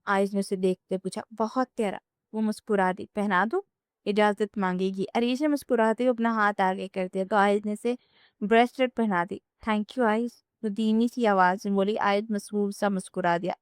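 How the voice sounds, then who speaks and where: Woman narrator, audiobook reading, smooth clear voice, dry close sound. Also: medium pitch, steady tone, no room sound.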